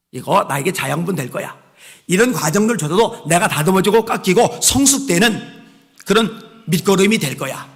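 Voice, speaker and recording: A pastor preaching a sermon in a church. He drives his points hard, switching between shouted exhortations and quiet asides, and has the congregation repeat phrases after him. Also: high voice. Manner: leads the congregation in call-and-response repetition. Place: church sanctuary. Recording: long reverb of a church hall.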